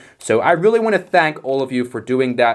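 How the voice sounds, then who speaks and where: Lively intonation and an animated tone mark this speaker with a non-native accent. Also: man. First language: not English. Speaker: LEGO YouTuber. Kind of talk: tutorial.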